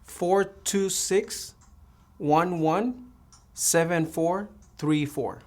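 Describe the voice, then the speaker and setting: A man's voice: high-pitched, extremely slow, darkish tone. Man giving short, plain interview answers. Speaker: mock citizenship applicant. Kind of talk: scripted mock interview.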